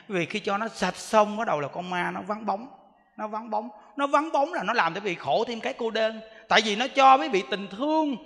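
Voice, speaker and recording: A man, a Buddhist monk giving an animated sermon, repeating himself and speaking straight to his listeners. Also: sits high. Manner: animated, repetitive, addresses listeners directly. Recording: long reverb of a hall.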